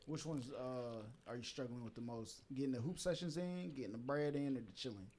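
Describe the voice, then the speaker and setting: A man co-hosting a podcast, asking questions in a quick, playful way. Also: medium pitch, crowd noise. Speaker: podcast co-host. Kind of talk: casual chat.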